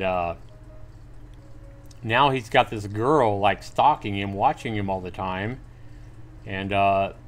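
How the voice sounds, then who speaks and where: A man hosting a casual livestream, reading and recapping a story game, with background noise. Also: lowish voice. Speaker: livestream host.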